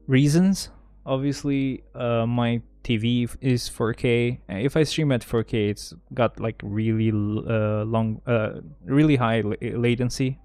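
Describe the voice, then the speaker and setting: A man's voice: mid-range voice, a little mellow, smooth, no room sound. A man live-streaming a game, chatting casually with his viewers, joking and rambling and laughing at his own bits.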